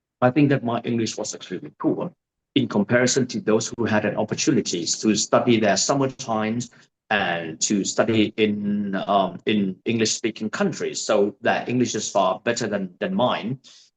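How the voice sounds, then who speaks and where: A man with a strong Thai accent at a medium pitch and moderate pace, ordinary pitch variation, in a dry, close sound with no echo. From Thailand, Bangkok. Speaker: career event speaker. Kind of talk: interview. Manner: halting.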